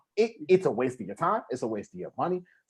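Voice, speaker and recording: A man speaks in an animated tone with vocal fry. His fairly high pitch swings very widely. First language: not English. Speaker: physical therapy admissions coach and host. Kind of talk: live stream interview. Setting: live online stream. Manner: animated, many repetitions and fillers.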